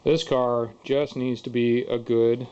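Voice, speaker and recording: Lower-pitched man, casual vlogger, frank self pep talk, folksy and rambling; dull lo-fi camera sound. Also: flat delivery, slow pace, dark tone, clean tone. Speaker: car restorer making a vlog.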